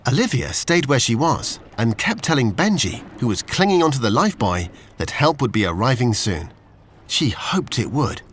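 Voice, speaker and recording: A man's voice: mid-range voice, slight background noise. A man with a British accent reading a scripted children's story, expressively, as a storyteller to young children.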